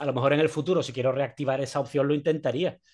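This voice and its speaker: A somewhat breathy man speaks at a medium pitch against a quiet background. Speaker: veterinarian and traveller. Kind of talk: casual interview.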